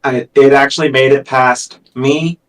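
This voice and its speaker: A man's voice: medium pitch, fairly even intonation, unhurried, distant mic. A man speaking as a guest author in a casual livestream chat, with a dry, self-deprecating manner. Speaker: guest, science fiction author.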